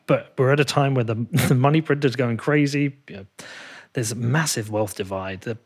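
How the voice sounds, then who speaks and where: A man's voice: mid-range voice, normal speed, husky. A man with a British accent hosting a podcast, chatting in a casual, blunt and informal way. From Britain. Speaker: podcast host. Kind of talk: casual interview chat.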